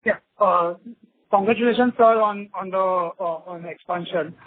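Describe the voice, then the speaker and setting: A man, an analyst asking polite, halting questions on an earnings call and calling the executives sir. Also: high voice. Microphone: phone line. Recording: tinny phone line.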